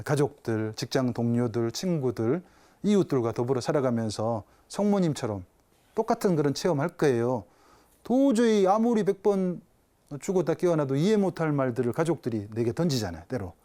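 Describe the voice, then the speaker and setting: Catholic priest preaching on tv, voice swoops up and down a lot, keeps asking the audience questions. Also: male voice, mid-range voice, lively intonation, normal speed, dark tone. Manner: storytelling with rhetorical questions to listeners. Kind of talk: televised spiritual talk.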